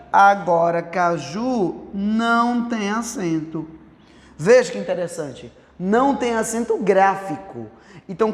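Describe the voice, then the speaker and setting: A man with a Brazilian Portuguese accent teaching an online grammar lesson, explaining rules and checking in with rhetorical questions. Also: high-pitched. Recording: echoey room with long reverb.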